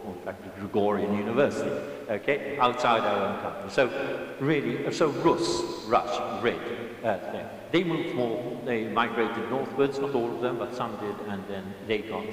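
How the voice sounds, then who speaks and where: A man's voice: fairly low pitch, slight background noise. A man in his seventies, an audience member making a rambling, digressive comment at a lecture, talking without a microphone. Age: 70s. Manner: digressive, halting, with many restarts and asides. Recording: echoey hall, voice from far off.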